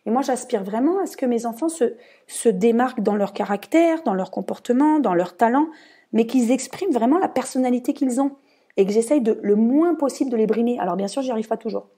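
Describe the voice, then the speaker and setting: A woman's voice: a little high, expressive, brisk, warm tone, slightly rough. A woman hosting a podcast, explaining her views in an earnest, casual monologue. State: tired. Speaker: podcast host.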